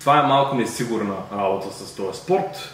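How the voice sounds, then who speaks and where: The pace is moderate. Light background noise and audible room echo are present. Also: man. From Bulgaria, Ruse; Bulgaria. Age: 20s. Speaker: bodybuilder. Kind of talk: vlog monologue; casual vlog chat. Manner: halting. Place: kitchen.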